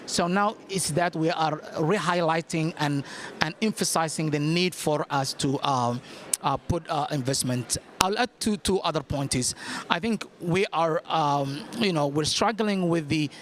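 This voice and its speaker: A man from Somalia with a slightly high voice speaks off the cuff on a policy panel. He is emphatic and orderly, numbering his points and repeating key phrases. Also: a little slow, slight background noise. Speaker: government policy director, panelist. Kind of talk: extemporaneous panel remarks.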